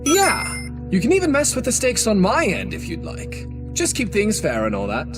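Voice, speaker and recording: An actor voicing an otherworldly, smugly playful and menacing demon hedgehog in a comic dub, speaking with theatrical mock politeness and drawn-out words. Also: male voice, high-pitched, huge pitch swings. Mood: playful, gleeful. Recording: loud music under the voice. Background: music.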